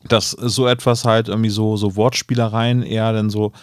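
A man's voice: fairly low pitch, level tone, moderate pace, no room sound, studio quality. A man co-hosting a podcast, chatting casually with the others. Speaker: podcast host. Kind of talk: casual chat.

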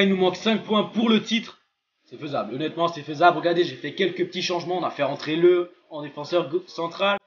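A young man gives casual, excited commentary on a football video game, slangy and prone to swearing and exclaiming at plays. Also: on the high side, slight background noise. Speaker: gaming video creator playing a football game. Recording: dull lo-fi voice track with music behind.

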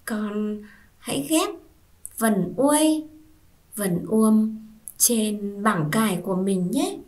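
Woman, first-grade teacher, very slow, patient, clear classroom reading. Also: mid-range voice, lively intonation, a little mellow. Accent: Vietnamese. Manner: patient, spelling out sounds and inviting children to repeat.

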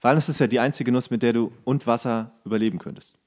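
A man's voice: mid-range voice, fast talker, a little mellow. Playful man bantering as podcast co-host. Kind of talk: casual, jokey banter.

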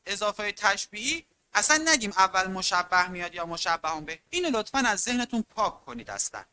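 Very bright, sharp-toned literature teacher. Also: mid-range voice. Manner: emphatic, stretches out key terms, keeps calling on the students. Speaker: exam-prep literature teacher. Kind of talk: online class lecture.

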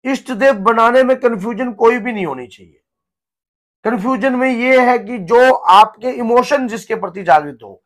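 A hoarse man in his thirties, a spiritual guru giving an earnest devotional teaching talk at home. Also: sits high, fairly bright tone. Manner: earnest, gesturing, repeats himself. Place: home room with a shrine, indoors.

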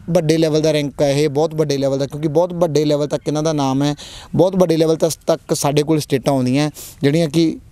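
A man's voice: fairly high pitch, mellow, dry recording. A young man with a Punjabi accent, a dairy farmer giving an earnest outdoor interview and repeating his points. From Punjab, India. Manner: earnest, repeats phrases, rallying young people. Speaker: prize-winning dairy farmer. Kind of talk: on-camera interview. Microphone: handheld mic held by interviewer.

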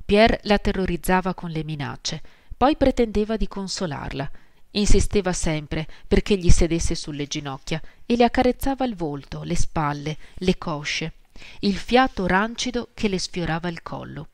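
Low-voiced woman narrating an audiobook. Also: expressive, moderate pace, no echo, clean studio sound. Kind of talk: scripted narration.

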